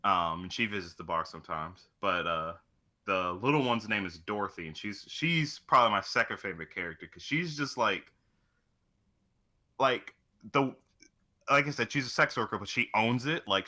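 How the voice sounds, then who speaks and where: A low-pitched man with a very bright, forceful voice, chatting loosely as a podcast co-host. He rambles through casual game talk and swears heavily. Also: moderate pace. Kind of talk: casual chat about video games.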